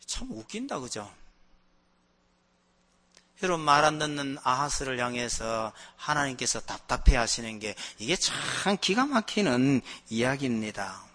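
A man's voice: medium pitch, sing-song, unhurried, bright, forceful tone. A male pastor preaching a sermon, telling anecdotes with animation and acting out the voices in them.

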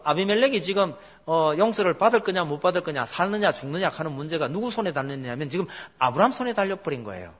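A man's voice: a little high, slightly rough. A middle-aged man preaching a sermon as pastor, telling stories and asking the congregation questions. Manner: animated storytelling, asks the congregation questions.

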